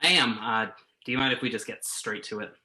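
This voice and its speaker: A man acting in a play reading as a blunt yet apologetic magazine journalist, speaking a little haltingly. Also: mid-range voice, sharp tone, rough recording. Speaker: actor in a virtual staged reading.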